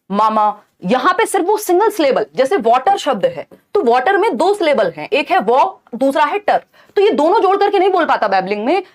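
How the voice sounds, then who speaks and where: A young woman with a high, light voice teaches an exam-prep class online. She explains each point step by step and keeps pausing to check that her listeners are following. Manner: explanatory, checks in often with "thik hai". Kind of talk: online lecture.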